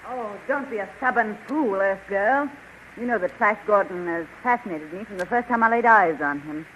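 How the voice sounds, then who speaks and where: A woman's voice: medium pitch, moderate pace, a bit bright, slight background noise, natural voice. A woman voicing a proud, scheming witch queen in a 1930s radio drama, speaking with haughty scorn. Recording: dull lo-fi 1930s radio recording.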